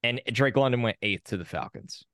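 A young man co-hosting a sports podcast, confident and opinionated. He has a mid-pitched voice recorded close and dry, with no room sound. He runs through lists of facts at an even clip. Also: a little fast, no room sound. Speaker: podcast co-host. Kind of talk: casual sports chat.

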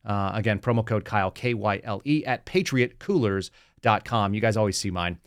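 A man's voice: on the low side, animated, fairly quick, no room sound, studio quality. A man hosting a political podcast in a brash, casual way, reading ads and interviewing a guest. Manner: brash, casual, punchy ad reads. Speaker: podcast host.

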